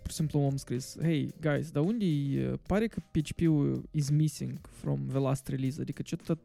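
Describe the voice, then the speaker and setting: A man's voice: medium pitch, creaky, dark tone, faint music behind. A man co-hosting a casual tech podcast, rambling and slipping in English words. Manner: rambling, mixes English words, many fillers. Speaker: podcast co-host.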